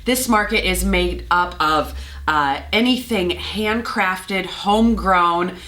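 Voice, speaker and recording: A middle-aged woman talks casually and a little scratchily, hoarse from a cold. Her tone stays bright and forward despite the rasp. She is chatty and organized, dotting her sentences with ums and uhs. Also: takes it slowly. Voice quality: scratchy, slightly lower than usual. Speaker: flower farmer and vlogger. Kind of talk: casual vlog walkthrough.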